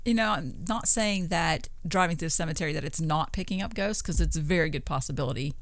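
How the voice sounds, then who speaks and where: Lower-pitched woman co-hosting a podcast. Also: fast, no room sound. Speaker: podcast co-host. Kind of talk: casual conversational storytelling.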